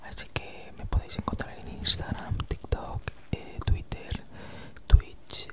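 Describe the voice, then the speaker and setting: Whispering Spanish woman right in your ear. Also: slow pace. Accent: Spanish from Spain. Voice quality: breathy unvoiced whisper; noticeable, characteristic S sound. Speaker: ASMR creator. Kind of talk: whispered ASMR, rambling casual chat. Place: small home room, indoors. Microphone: handheld recorder with foam windscreen, very close.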